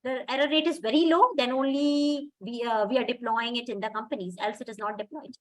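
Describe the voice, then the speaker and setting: A woman's voice: a little high, fairly even intonation, fairly quick. A woman lecturer answering a student's question, explaining and repeating her points.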